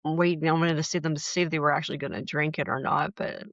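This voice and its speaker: Gravelly-voiced woman chatting in a dull lo-fi recording. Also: low voice, steady tone, quick pace, a bit bright, dry recording. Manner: chatty, frank, loose storytelling with fillers. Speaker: podcast host. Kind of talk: casual chat recapping a soap opera. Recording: dull lo-fi sound.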